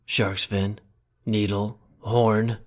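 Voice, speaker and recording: A tense, commanding young executive in an audio drama, acted by a man. He speaks slowly and low, through a thin phone-like sound. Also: flat delivery. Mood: grim.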